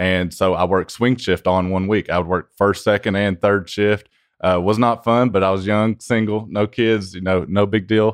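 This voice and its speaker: A man with a Kentucky accent talks at a moderate pace in a fairly low pitch, his intonation flat and monotone. He hardly pauses, and the background is quiet. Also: dry, close sound with no echo. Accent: Kentucky country. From Bardstown, Kentucky. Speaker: distillery manager and head distiller. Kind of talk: casual interview.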